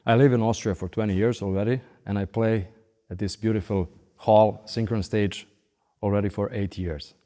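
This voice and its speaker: A man in his late thirties with a Serbian accent, speaking as an interviewed musician in short, deliberate phrases. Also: lowish voice, fairly even intonation, mellow. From Belgrade, Serbia. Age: late 30s. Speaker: professional orchestral violinist being interviewed. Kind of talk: interview monologue. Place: large recording hall. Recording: long hall reverb.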